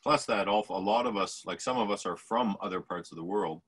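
A man's voice: lowish voice, brisk, a bit bright, husky. A man from Canada, a professor, speaking casually and plainly in a panel talk.

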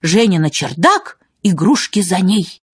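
A woman narrating a children's fairy tale in an expressive, dramatic storytelling manner. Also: on the low side, measured pace, breathy edge. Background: music.

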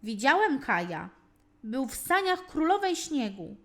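Talking pigeon for a fairy tale, done by a woman: small earnest bird, high cooing trill, animated pitch. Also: unhurried, heavily acted. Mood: earnest, revealing. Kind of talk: children's fairy tale storytelling.

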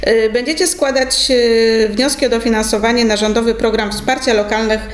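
A woman's voice: fairly high pitch, flat delivery, normal speed. A middle-aged woman interviewing a local official in a TV studio, asking chatty, informal questions. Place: TV studio at a table. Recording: echoey studio room.

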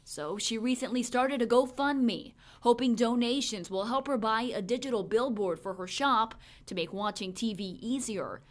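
A young woman reporter with a fairly high voice reads a scripted news report, crisp and measured. Part of it is delivered on camera on a city street.

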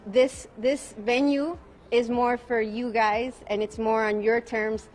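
A woman in her forties, an attorney, answering reporters' questions at a night press conference outdoors. She sounds tired and talks calmly, repeating each question before she answers. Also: a little high, slow, a little hiss or hum. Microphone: bank of press microphones.

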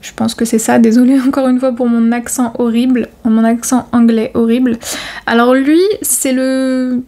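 A woman's voice: fairly high pitch, level tone, normal speed, mellow. A woman telling a true crime story to her viewers in a chatty, informal way, with many hesitations and slang.

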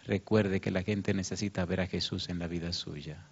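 A pastor preaches a sermon, telling a story with emotion and raising his pitch when quoting people. His husky voice has vocal fry, fairly even intonation and normal speed, in a muffled lo-fi recording.

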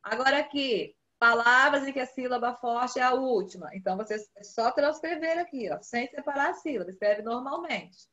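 High-voiced Brazilian woman teaching children. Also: animated, bright, forceful tone, dull audio. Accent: Brazilian Portuguese. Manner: patient, repeats key words slowly for children. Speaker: primary school teacher. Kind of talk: online class instruction. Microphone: video call.

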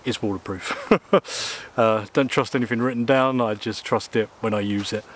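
A man from England with a fairly low, steady, slightly bright voice casually reviews outdoor gear in the woods at a moderate pace, using plenty of ums and uhs. A camera mic records him close and at mid distance, in and beside a small tent, with slight background noise.

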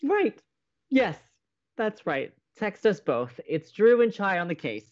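A man playing an excitable, sweet young college radio co-host in an audio drama, eager and playful. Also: high voice, slow pace, muffled recording, full character voice. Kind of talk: naturalistic audio drama acting.

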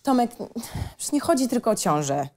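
A young woman with a soft, mellow tone and very lively intonation, played by an actress in a radio play. She is a secret lover, intimate, teasing and reproachful. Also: on the high side, brisk. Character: Alicja, a teasing, conflicted 25-year-old secret lover. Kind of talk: screenplay table reading as radio play.

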